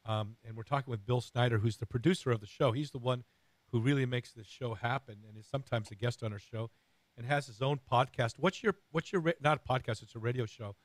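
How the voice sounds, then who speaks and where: Hoarse, raspy middle-aged male radio host. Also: mid-range voice, fairly quick, dry recording. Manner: earnest, rambling with many fillers and restarts.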